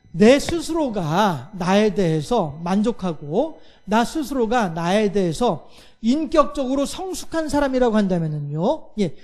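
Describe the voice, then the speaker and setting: High-voiced male pastor preaching. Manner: asks the congregation rhetorical questions, fills pauses with "예"; acts out everyday quarrels in lively voices. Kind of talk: sermon.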